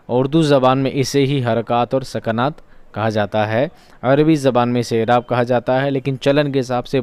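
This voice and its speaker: A man leads an exam-prep lesson. He asks a question, answers it himself, and repeats each key word so it sticks. His voice is smooth and resonant, recorded close and dry. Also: medium pitch, a little mellow, no room sound. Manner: repeats key words for drilling. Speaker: online teacher.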